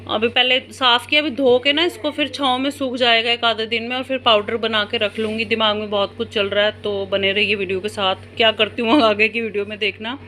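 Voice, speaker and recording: A woman's voice: on the high side, steady tone, a little fast, few pauses, pushed and bright. A mother, vlogging casually at home at night and coaxing and soothing her children. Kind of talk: casual home vlog talk. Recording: noisy home phone recording.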